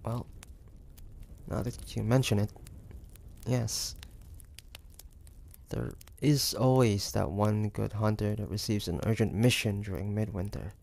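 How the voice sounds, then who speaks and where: A man voicing a wary, stubborn demon hunter from the 1850s in a dramatic audio roleplay, with halting, pointed delivery. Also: on the low side, fairly even intonation, creaky, a little mellow. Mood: skeptical, uneasy. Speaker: voice actor.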